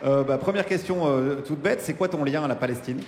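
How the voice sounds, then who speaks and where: A man's voice: on the high side, a little fast. A man hosting a live radio interview on a festival stage, asking loose, chatty questions with restarts. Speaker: radio show host. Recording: echoey live stage with loud crowd noise. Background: crowd and ambience.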